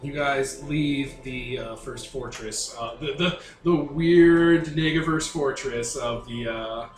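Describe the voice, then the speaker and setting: A man's voice: mid-range voice, slow pace. A man running a tabletop game, narrating and bantering in a casual, jokey, colloquial way. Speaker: game master. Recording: roomy echoing sound with music behind.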